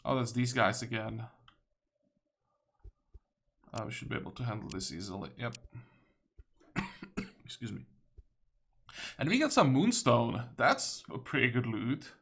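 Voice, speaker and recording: A man's voice: mid-range voice, expressive, measured pace, gravelly, long pauses, a bit bright, slightly rough. A man giving casual commentary while he plays a strategy game, thinking aloud and reading the game text out. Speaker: video game let's-player.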